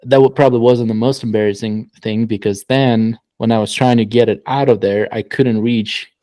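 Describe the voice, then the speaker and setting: A man's voice: medium pitch, steady tone, normal speed, dark tone, dry recording. A young man, a guest husband, telling a story in a hesitant, plain way in a casual chat.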